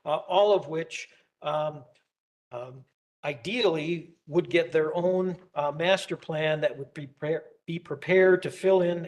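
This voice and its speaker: A man who is losing his voice gives a staff presentation at a public planning meeting, halting and full of ums and uhs. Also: fairly high pitch. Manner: halting, filler-heavy, with many ums and uhs.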